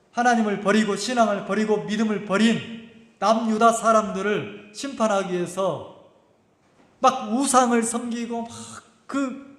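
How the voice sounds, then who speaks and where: A male pastor preaching a sermon, peppering the congregation with questions and drawing out words for emphasis. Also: high voice. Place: church sanctuary. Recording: echoey hall reverb.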